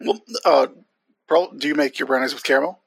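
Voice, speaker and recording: A man's voice: medium pitch, a little fast, creaky, slightly rough, dry recording. A man co-hosting a casual podcast, joking around and swearing casually. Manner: animated, jokey, swears casually. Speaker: podcast co-host. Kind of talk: casual chat.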